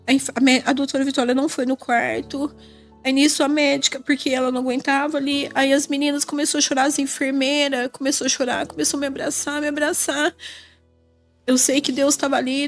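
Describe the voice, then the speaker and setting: Woman, Brazilian Portuguese accent, high-pitched, crying, emotional testimony, repetitive. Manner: tearful, repeats phrases, raises voice in bursts. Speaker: mother giving a faith testimony.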